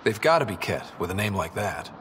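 A calm, steady space explorer leader. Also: male voice, fairly low pitch, fairly quick, a little hiss or hum. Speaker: expedition leader. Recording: game audio with soft music behind.

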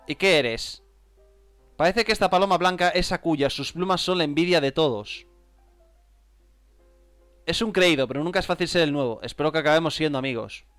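A man with a Spain Spanish accent reads game text aloud and gives excitable, bewildered gameplay commentary. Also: a little high. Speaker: gamer.

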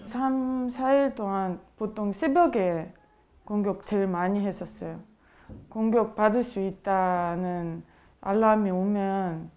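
A woman in her twenties from Ukraine, speaking Korean as an in an interview, halting and searching for words. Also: mid-range voice, dark tone. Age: 20s.

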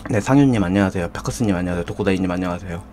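A man's voice: deep voice, very fast, a little mellow, slight background noise. A man hosting a live mukbang stream, eating and joking while he greets viewers from the chat. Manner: jokey, banters with viewers, reads out chat names. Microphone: desk condenser mic.

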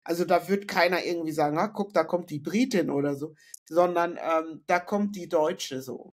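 A middle-aged woman from northern Germany speaks as an interview guest, thinking aloud in a loose, reflective way. She often pauses, adds fillers and restarts her sentences. She is heard over a video call from a room indoors. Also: lowish voice. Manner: reflective, frequent fillers and self-corrections. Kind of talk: casual conversational interview.

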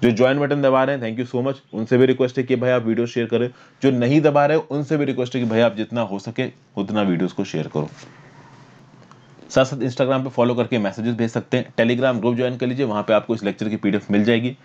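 A young man lecturing for exam prep over slides, explaining step by step and reading legal text slowly. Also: medium pitch, steady tone, a little mellow, dull audio. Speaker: current affairs teacher.

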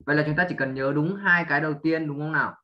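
A man's voice: fairly high pitch, fairly even intonation, very fast, highs cut off, background noise. A man teaching an English lesson to a child, drilling sounds patiently, spelling letters one by one and often checking understanding.

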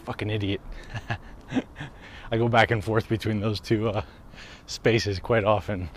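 A man's voice: fairly low pitch, level tone, unhurried, a little hiss or hum. A man, chatting casually while walking down a residential street, camera held at arm's length, swearing freely and laughing at himself. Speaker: wellness vlogger. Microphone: handheld camera at arm's length.

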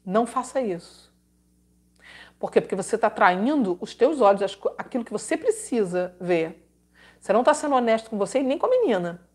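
A woman's voice: a little high, big pitch swings, brisk, breathy edge. A woman hosting a live advice stream, emphatic and scolding, with dramatic repetitions and religious exclamations. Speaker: host giving relationship advice. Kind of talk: live-stream advice, reading letters aloud.

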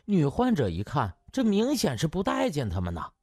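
A male audiobook narrator tells a comic novel dramatically. His voice is husky, with very animated, swinging intonation, and music plays faintly behind him. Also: on the high side, moderate pace.

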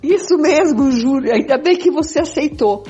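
Older lady doing a pleading jealous radio soap wife, high voice that swoops around, muffled audio. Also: lively intonation, normal speed, warm tone. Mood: exasperated. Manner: pleading, melodramatic, repetitive. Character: pleading, jealous wife, melodramatic but accommodating. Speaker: amateur participant in a radio play. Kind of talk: improvised amateur radio soap opera acting. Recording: dull lo-fi audio with music.

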